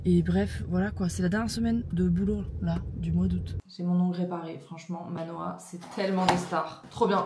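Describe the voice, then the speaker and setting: A woman's voice: medium pitch, noisy background. A woman vlogging casually to camera, chatty and enthusiastic, filming at home and in the office. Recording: roomy echo.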